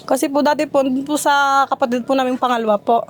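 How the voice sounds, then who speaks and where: A young Filipina woman speaks with a high, bright pitch and a rapid pace. She is a mother in a casual conversation, polite and deferential and full of respectful particles, and she rambles through long explanations. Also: steady tone. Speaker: mother being interviewed.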